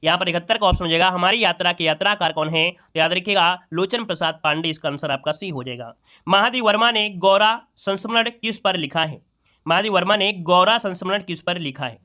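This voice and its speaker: Male tutor, high and bright, walks viewers through exam answers, repeating each one. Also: a little fast. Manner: repeats each question and answer, asks rhetorical questions; addresses listeners as friends. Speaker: teacher solving exam questions. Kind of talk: exam-prep lesson.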